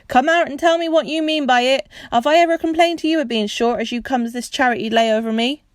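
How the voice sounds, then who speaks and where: A woman putting on a stubborn, prideful working man who won't take charity, blunt and loud, shouting his words out. Rough dialect, dry close storybook reading. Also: high voice, fast, no echo, pitched above the performer's own voice, natural voice. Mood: angry. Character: proud, gruff working man, angry and stubborn.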